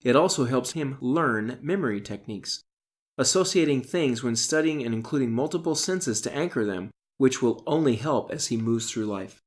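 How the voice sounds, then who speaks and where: A middle-aged man, an author, reads his self-help audiobook in a deliberate, instructional way, stressing key terms. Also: medium pitch. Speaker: author reading own audiobook.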